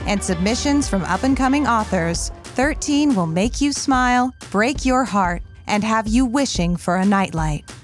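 A woman's voice: a little high, animated, measured pace. A woman reading a scripted promotional trailer for a horror fiction podcast as its announcer. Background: music.

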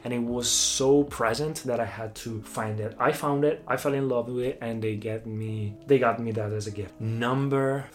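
An enthusiastic young Italian man talking through his favorite fragrances with an Italian accent. He speaks at a middle pitch, emphatic and drawn out, with faint music under his voice. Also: steady tone, normal speed, hardly any pauses. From Italy. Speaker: fragrance reviewer. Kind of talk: casual video review.

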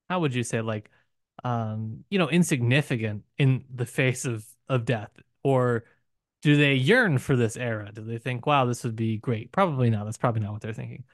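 Male podcast co-host, medium pitch, casual bookish discussion, halting and questioning delivery, dry recording. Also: no echo. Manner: musing, poses rhetorical questions, halting with filler phrases.

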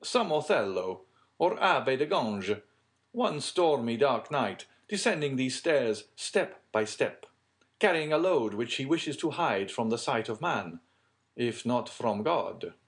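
A man voicing a suave middle-aged count from a storybook, speaking in a deliberate, dramatic and darkly insinuating way. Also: mid-range voice, big pitch swings, voice pushed up.

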